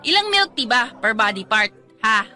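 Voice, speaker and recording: A woman's voice: a little high, sing-song, normal speed, pushed and bright, faint music behind, exaggerated voice. A woman playing a cheeky young niece in a Tagalog radio drama, teasing and playful as she bargains for treats.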